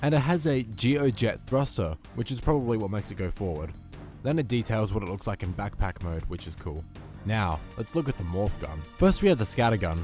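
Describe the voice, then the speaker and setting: Music plays behind this fairly quick speaker, whose pitch swings very widely. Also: man. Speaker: gaming YouTuber. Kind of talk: video game commentary voice-over.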